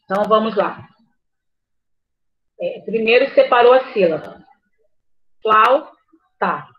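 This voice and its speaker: A woman teacher, slowly and patiently reviewing a grammar lesson for a class online. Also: on the high side. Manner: slow, patient, spells words out. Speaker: primary school teacher. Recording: slightly muffled lo-fi audio.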